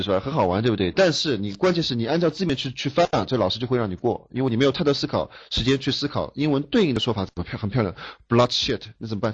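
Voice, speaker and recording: A man's voice: lowish voice, slightly rough, dull audio. A man teaching interpreting, explaining step by step, asking rhetorical questions and stumbling over repeated words. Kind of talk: classroom lecture.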